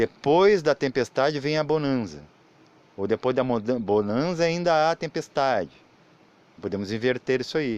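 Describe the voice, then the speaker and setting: A man with a medium-pitched voice talks at a moderate pace with lively intonation and long, frequent pauses. The sound is dry and close, with no echo. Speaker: spiritual teacher. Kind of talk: spiritual talk.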